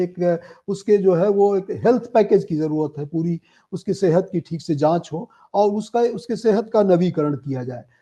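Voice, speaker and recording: A man's dark, mellow tone is heard over a quiet background. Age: 60s. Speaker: senior journalist, political analyst. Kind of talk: interview. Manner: hesitant, filler-heavy.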